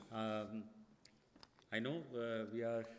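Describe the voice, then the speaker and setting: A man is speaking. There is light background noise. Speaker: event chair. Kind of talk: formal introduction. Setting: stage with audience. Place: hall. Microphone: podium.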